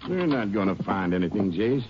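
Plain-talking doubtful small town sheriff, low voice, hissy muffled 50s radio drama. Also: male voice, big pitch swings, brisk. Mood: doubtful, folksy. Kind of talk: 1950s radio drama acting. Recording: noisy, muffled old radio recording.

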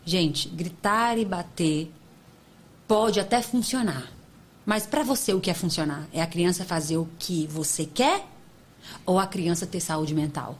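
A woman's voice: lowish voice, measured pace. Emphatic woman psychologist on a podcast. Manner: emphatic, lively, animated explaining. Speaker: psychologist guest. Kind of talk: podcast interview talk.

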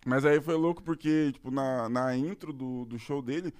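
A man's voice: medium pitch, normal speed, a little mellow, clear, resonant tone. A man with a Brazilian accent telling a long personal story in casual podcast chat, rambling and full of slangy filler words. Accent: Brazilian Portuguese.

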